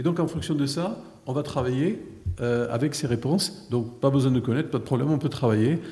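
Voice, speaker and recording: A man speaks at a fairly quick pace and a fairly high pitch with ordinary pitch variation. His tone is dark and mellow and somewhat breathy. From southwest France, Tarbes. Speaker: hypnotherapist and stage hypnotist. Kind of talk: radio interview. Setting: radio studio.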